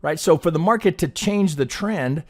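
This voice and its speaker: A man's voice: on the high side, expressive, normal speed. Middle-aged man thinking aloud as he teaches. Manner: conversational, often tags sentences with "right?". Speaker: trading educator and video host. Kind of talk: informal live chart analysis, thinking aloud.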